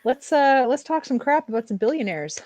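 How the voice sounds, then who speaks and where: A woman's voice: high-pitched, sing-song, fairly quick, darkish tone, no echo. A woman co-hosting a casual chat, blunt and sardonic, who laughs easily. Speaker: co-host.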